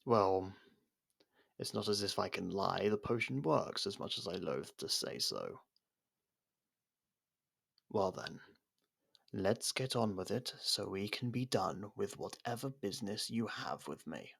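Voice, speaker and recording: An actor playing a proud, defiant captured royal in an ASMR roleplay, speaking in a haughty, halting, dramatic way. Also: male voice, on the low side, expressive, vocal fry, fairly bright tone, husky, full character voice. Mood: resigned, disdainful.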